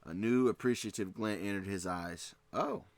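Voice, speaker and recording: A man narrating a fan fiction story. His voice sits very low and the delivery is steady, with the odd slip and restart. The recording is dry and close, with no room sound. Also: moderate pace, no room sound. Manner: steady reading with occasional slips and restarts.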